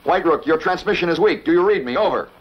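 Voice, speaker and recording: A man's voice: fairly high pitch, animated, fast talker, lo-fi sound, a little hiss or hum. An actor playing a male army radio operator, heard over a field radio, speaking in clipped, formal radio procedure. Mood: businesslike. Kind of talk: 1960s TV war drama acting.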